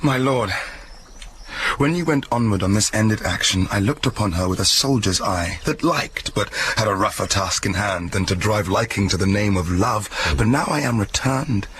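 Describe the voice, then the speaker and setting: An actor playing an earnest young soldier newly in love, speaking sincerely in Shakespearean stage style. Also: male voice, lowish voice, animated, normal speed, fairly bright tone, a little hiss or hum. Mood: tender.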